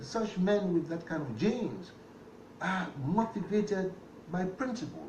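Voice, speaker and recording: A man talks at a moderate pace in a high pitch with lively intonation. There is audible room echo and noticeable background noise. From Liberia. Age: 60s. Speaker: politician, presidential candidate. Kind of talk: radio interview.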